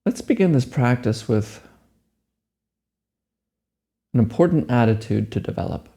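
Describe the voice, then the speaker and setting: A man leading a guided meditation, giving gentle, unhurried instructions. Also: mid-range voice, lively intonation, creaky.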